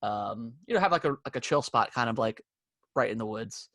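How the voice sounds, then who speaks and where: A man's voice: medium pitch, expressive, brisk, pushed and bright, dry recording, clean studio sound. Young man chatting with a stuffy nose. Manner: rambling, filler-heavy, frequent restarts. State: stuffy from allergies. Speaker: podcast co-host. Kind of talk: casual chat. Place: home office. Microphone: desk setup with camera.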